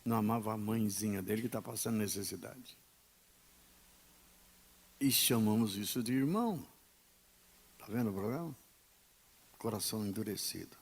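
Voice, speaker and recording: A man with a Brazilian Portuguese accent preaching a sermon as pastor, emphatic, with sharp swings between loud and quiet. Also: medium pitch. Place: church.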